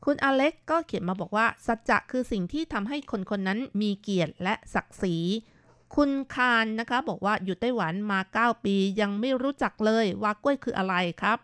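A woman hosting a radio talk show in a studio, reading listener comments aloud with lively emphasis. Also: mid-range voice, brisk, no echo. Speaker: radio host.

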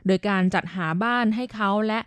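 A woman radio DJ hosting a scripted magazine show, explaining at length in a polite manner with frequent soft polite particles. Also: mid-range voice, fairly even intonation, fairly quick, smooth, dry recording. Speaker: radio DJ and host.

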